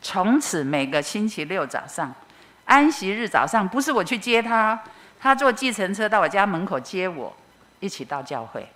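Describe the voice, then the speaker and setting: A middle-aged woman with a Taiwanese Mandarin accent, giving a personal testimony at church as an expressive storyteller. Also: mid-range voice, normal speed.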